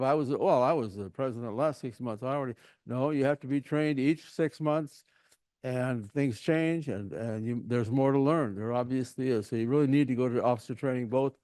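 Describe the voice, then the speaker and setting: A man's voice: medium pitch, darkish tone, no echo. An older man giving informal meeting announcements as the host, rambling and emphatic in his endorsements.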